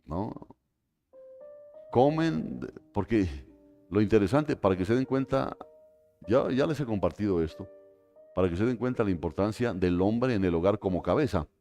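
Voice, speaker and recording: A man preaching a live church sermon, animated, acting out quoted voices and dropping folksy asides. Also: fairly low pitch, moderate pace, long pauses, soft background music. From Colombia.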